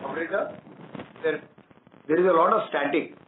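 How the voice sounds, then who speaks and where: A man with an Indian accent, a bank executive formally reading prepared results on an earnings conference call. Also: fairly high pitch. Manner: formal, measured corporate reading. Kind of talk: scripted earnings call presentation. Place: conference call over phone. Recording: tinny, roomy phone line with static.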